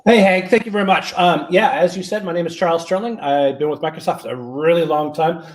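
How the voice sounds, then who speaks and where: Relaxed talkative man on a headset. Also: fairly high pitch, brisk. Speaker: guest presenter. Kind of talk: casual self-introduction. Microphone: headset on video call.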